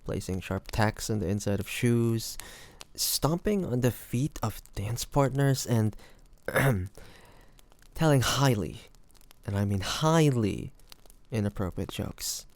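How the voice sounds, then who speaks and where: Man acting as a creaky-voiced, flirty royal bodyguard. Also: medium pitch, animated, no echo. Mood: teasing, chiding. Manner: playful, teasing, halting pauses, often chuckling. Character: flirty, teasing male bodyguard to a royal noble. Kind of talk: intimate fantasy audio roleplay acting.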